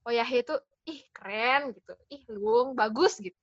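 A woman's voice: fairly high pitch, moderate pace, dry recording, highs cut off. A woman from Bali hosting a podcast, chatting casually and steering the talk to each new topic. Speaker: podcast host. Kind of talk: casual chat.

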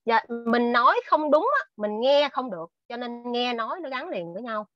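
Soft music plays in the background as the woman, a guest on a casual video call, earnestly shares advice in a slightly high, animated voice at normal speed. She restarts her sentences often and uses plenty of fillers, and the audio is dull and lo-fi.

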